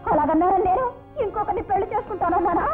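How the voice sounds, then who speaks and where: A fiery, sharp-tongued young wife. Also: female voice, extremely high pitch, very fast. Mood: scolding. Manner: sharp, scolding. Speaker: aspiring actress and wife. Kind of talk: dubbed film drama. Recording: phone-like narrow sound with music.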